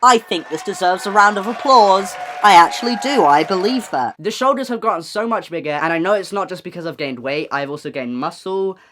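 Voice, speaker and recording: A man's voice: high-pitched, expressive, a little fast, hardly any pauses, a bit bright, slight background noise. A young trans man giving a chatty, rambling update vlog to his viewers, joking at his own expense. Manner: chatty, rambling, self-deprecating. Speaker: vlogger.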